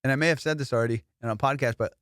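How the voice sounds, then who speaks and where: A man's voice: medium pitch, racing, a bit bright, smooth, no room sound. A male comedian hosting a podcast in casual, slangy, profane chat with a teasing comic manner, recorded close.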